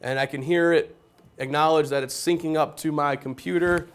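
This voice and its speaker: Loud-voiced man explaining classroom tech. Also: a little high, fairly even intonation, normal speed, clean tone. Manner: plain explanatory, step-by-step walkthrough. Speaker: high school geometry teacher. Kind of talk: classroom technology demonstration.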